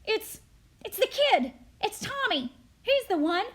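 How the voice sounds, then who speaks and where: A desperate accused man, acted out by a woman reading a drama script. The voice is high-pitched and raised, pushing each plea hard and urgently throwing blame elsewhere. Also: very animated, takes it slowly, exaggerated voice. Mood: panicked accusing. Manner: loud, insistent, emphatic pleading.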